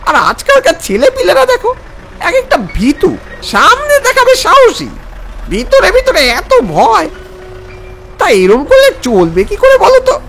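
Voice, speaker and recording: A narrator voicing a hearty, bossy old gentleman in an animated horror story. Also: very high voice, measured pace, slight background noise, voice pushed up, exaggerated voice. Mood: nostalgic, chiding. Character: jovial, impulsive old widowed gentleman.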